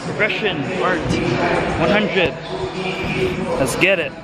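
A man's voice: sits high, takes it slowly, loud music behind the voice. A young man vlogging with his friends in casual, bro-ish slang. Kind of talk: casual chat. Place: large indoor gym. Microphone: handheld camera. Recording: noisy gym with crowd chatter.

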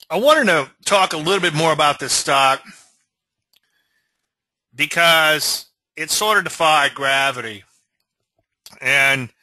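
A man's voice: medium pitch, sharp tone, no echo. A middle-aged man with a Cajun accent, from Louisiana, giving a folksy screen-share lecture on trading and often checking in with "okay?". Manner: folksy, asks okay often, self-deprecating asides. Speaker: trading educator.

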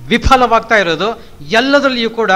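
A man's voice: very high voice, animated, moderate pace, bright, forceful tone. A middle-aged male professor giving a motivational lecture, stressing his points with repetitive lists and English phrases mixed in. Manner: emphatic, repetitive lists, mixes in English words.

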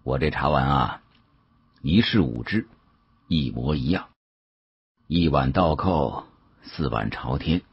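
A man voicing a shrewd senior bureau chief in an audiobook, genial and testing, with unhurried, teasing authority. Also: a bass voice, expressive, vocal fry, breathy edge, dry recording, lo-fi sound, full character voice. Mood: cryptic, amused.

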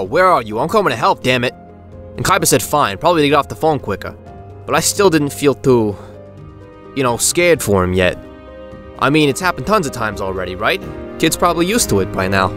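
Man playing haunted young guy in audio drama, slangy n halting, pitch swings around, music underneath. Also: fairly bright tone. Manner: colloquial, halting, informal. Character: Joey, haunted young man recounting events, slangy, restless.

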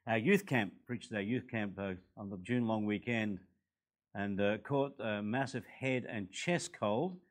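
An older man in his sixties with an Australian accent, a guest preacher at a church pulpit, a little hoarse from a recent cold, building to forceful, emphatic preaching. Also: on the low side, unhurried. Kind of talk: sermon. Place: church hall, indoors. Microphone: pulpit microphones.

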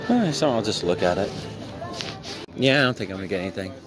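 A man's voice: on the low side, lively intonation, quick pace, over music. A man vlogging casually, joking and narrating as he browses sales outdoors and drives, filming on a phone. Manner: chatty, joking, self-narrating. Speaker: reseller vlogger. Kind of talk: casual chat. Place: outdoors at a flea market and in a car. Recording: noisy outdoor phone recording.

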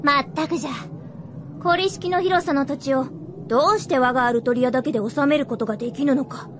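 A woman plays a proud, fiery young princess in a Japanese radio drama. Her voice is very high and imperious, with archaic royal wording, over clear background noise. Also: fast, natural voice. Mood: haughty. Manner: imperious, pompous. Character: haughty, hot-tempered young princess, archaic regal speech.

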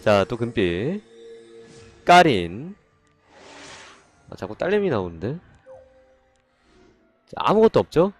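A man doing casual live-stream commentary on game gacha pulls, excitable, swinging from calm explaining to loud exasperated outbursts. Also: medium pitch, slow pace, long pauses, soft background music.

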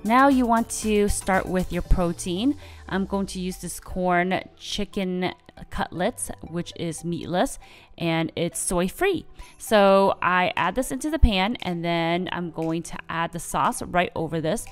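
A woman's voice: on the low side, takes it slowly, faint music behind. Woman vlogger narrating a cooking how-to. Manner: friendly, relaxed instructional talk with upbeat lifts. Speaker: lifestyle vlogger. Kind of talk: cooking voice-over, casual how-to. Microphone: voice-over.

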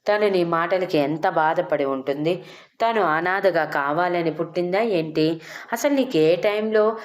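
A woman voicing a stern mother who scolds her daughter with sharp questions. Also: fairly low pitch, measured pace, natural voice. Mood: angry. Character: stern middle-aged mother, angry and scolding.

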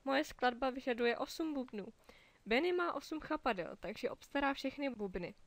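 A woman's voice: sits high, lively intonation, no echo, voice pushed up. A woman doing a vain, fretful crab composer. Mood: fretful, proud. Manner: anxious, self-important exclamations. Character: fussy, vain crab court composer, male.

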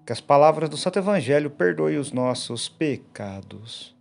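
A man reading the daily gospel and a short reflection in a solemn, measured liturgical manner. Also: fairly high pitch, lively intonation, creaky. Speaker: gospel reader and preacher. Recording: soft instrumental music behind.

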